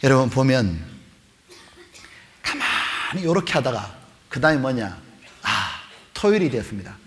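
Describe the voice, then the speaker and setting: A man preaching to a youth retreat, telling a story with animated voices for the mother and the kids. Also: medium pitch, measured pace. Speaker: pastor. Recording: long hall reverb.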